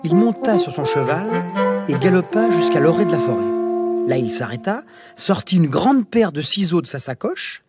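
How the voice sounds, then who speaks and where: A man reads a children's tale slowly, with lively expression. His voice sits a little high. Music plays clearly underneath. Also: no room sound, studio quality. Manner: slow, expressive storytelling. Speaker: storyteller. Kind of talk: children's story reading.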